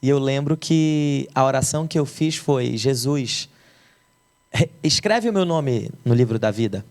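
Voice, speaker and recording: A man's voice: mid-range voice, lively intonation, unhurried, darkish tone. A young adult man from Brazil, a pastor, telling the emotional story of his conversion as a testimony.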